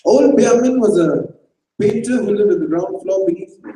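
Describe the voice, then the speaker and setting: A man narrates a short story with measured, careful delivery and a high, very dark, mellow tone. He is heard from far off on a festival stage, in a hall with heavy echo and faint background noise. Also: animated. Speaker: reader in a staged reading. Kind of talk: dramatized story reading.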